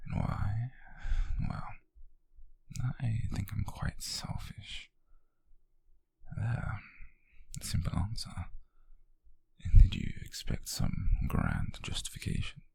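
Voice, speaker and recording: A British man playing a possessive, obsessive, smug wealthy captor in an intimate ASMR roleplay, husky and whispery, speaking softly and deliberately close to the mic. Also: lowish voice, exaggerated voice. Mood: assertive, unapologetic. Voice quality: breathy, husky, gravelly whisper. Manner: slow, deliberate, menacingly soft. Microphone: close microphone, dry.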